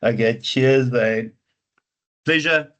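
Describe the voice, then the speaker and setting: A man's voice: medium pitch, slow pace, fairly bright tone. A man with a South African Afrikaans accent, advising students as a lecturer in an informal, teasing way, thinking aloud as he goes. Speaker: university lecturer advising students on research proposals. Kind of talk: informal online teaching consultation.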